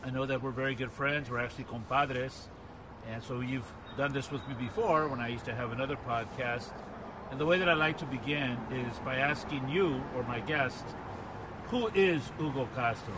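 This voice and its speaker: A man hosting a podcast interview who speaks with open admiration for his guest and often fills pauses with "uh". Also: medium pitch. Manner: warm and admiring, with frequent filler "uh". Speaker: podcast host. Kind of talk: conversational interview. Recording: outdoor traffic noise.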